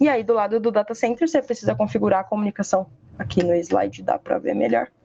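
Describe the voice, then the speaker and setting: Noticeable background noise sits behind a woman speaking at a fairly quick pace. Her intonation is lively. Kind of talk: webinar presentation. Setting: online webinar. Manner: fast.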